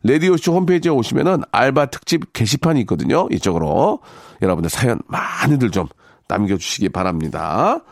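Male radio host, polite and conversational, animated delivery with casual asides, close dry studio recording. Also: medium pitch, a little fast, gravelly, dry recording. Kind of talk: reading listener stories and commenting, casual radio talk.

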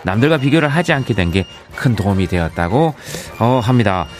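Faint music sits behind this man's lowish voice, which is very animated and brisk. He hosts radio from a studio with a studio microphone, a Yeongcheon, South Korea native whose Daegu-Gyeongbuk accent colors his casual chat, readings of listener messages, and easy laughs.

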